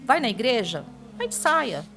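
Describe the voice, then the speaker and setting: A woman's voice: fairly high pitch, big pitch swings, measured pace, gravelly, noisy background. A woman giving a casual spoken testimony to a pastor, telling her story and often tagging sentences with "né?". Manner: keeps addressing the listener as pastor. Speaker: church member giving a testimony.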